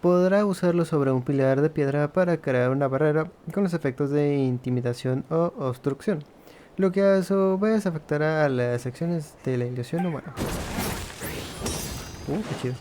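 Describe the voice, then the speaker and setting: A man's voice: on the high side, fairly quick, mellow. A man, casually commenting while playing a game and musing aloud. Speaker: gameplay streamer.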